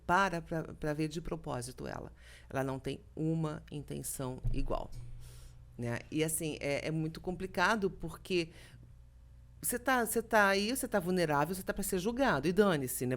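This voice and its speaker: A middle-aged woman from Brazil talks in a relaxed podcast interview, with a fairly low voice. She tells anecdotes with energy and acts out what people said. She is a voice actress speaking as a guest. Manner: lively storytelling, acts out quoted dialogue.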